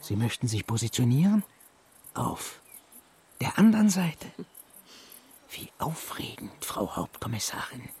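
A man's voice: medium pitch, very animated, unhurried, vocal fry, pauses often, a little mellow, husky, full character voice. A man playing a haughty, menacing upper-class hunter in a radio drama, speaking with condescension. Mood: menacing, savouring. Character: arrogant upper-class hunter, menacing, obsessive murder suspect. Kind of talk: German radio drama acting.

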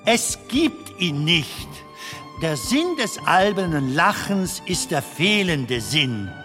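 Casting: male actor for philosophizing comic wanderer, audio drama. Higher male register, swinging intonation, halting, playful delivery, faint music beneath. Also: sing-song, pushed and bright, heavily acted. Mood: earnest, musing. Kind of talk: German audio drama dialogue.

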